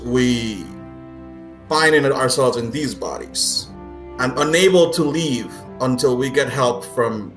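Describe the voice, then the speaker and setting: A man voicing a solemn otherworldly being stuck in a human body, halting and formal, in a tabletop game. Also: mid-range voice, fairly bright tone, echoey room.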